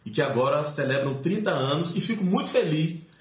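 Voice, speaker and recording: A man's voice: on the high side, fairly quick. A man from Salvador with a Bahian accent, an actor talking animatedly as a guest on a talk show. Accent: Bahian Portuguese. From Salvador, Bahia, Brazil. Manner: animated storyteller, expressive swings. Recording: roomy echo.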